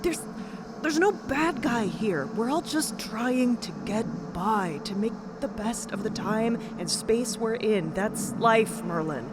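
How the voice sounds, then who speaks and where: A woman's voice: a little high, lively intonation, slow pace, noisy background. A woman playing an earnest, emotional friend with informal, urgent speech in an audio drama. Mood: earnest pleading. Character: earnest, emotional young friend pleading for peace. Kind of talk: audio fiction drama acting.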